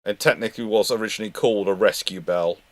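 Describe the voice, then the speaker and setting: A man with a fairly low voice and a dry, close sound. He talks informally as a history host fielding questions. His delivery is discursive and halting, as if working out each answer as he goes. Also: fairly even intonation, no room sound. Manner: halting, discursive, thinking aloud.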